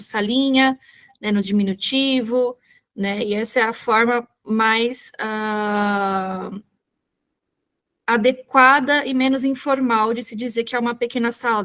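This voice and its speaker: A woman with a Brazilian Portuguese accent answers exam questions in a fairly high voice. She addresses the examiner politely and formally. She often hesitates with fillers as she works out her answers. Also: a bit bright. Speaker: exam candidate.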